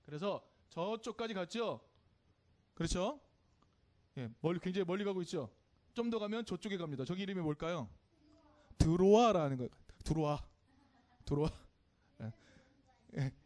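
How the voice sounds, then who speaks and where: A man with a high voice tells a children's sermon in church. His storytelling is plain and friendly, and he keeps turning to the congregation with questions. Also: expressive, normal speed, long pauses, darkish tone. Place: church service.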